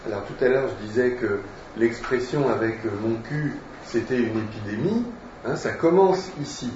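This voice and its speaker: A man's voice: medium pitch, moderate pace, background noise. Hesitant male teacher in an echoey hall. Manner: hesitant, many fillers, explanatory. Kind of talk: literature lecture, reading aloud. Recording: echoey room, distant mic, dull sound.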